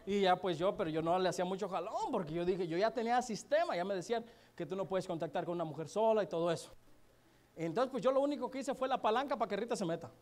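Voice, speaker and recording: A motivational speaker at a business event, a man with a high, slightly mellow voice, talks fast as he tells a humorous success story to a live audience. He's joking, colloquial, and chatty, with many asides to the crowd.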